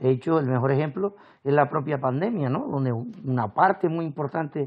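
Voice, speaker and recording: A man with an ordinary speaking voice talks at a moderate pace and a fairly high pitch. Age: 60s. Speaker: regional health minister. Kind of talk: TV interview.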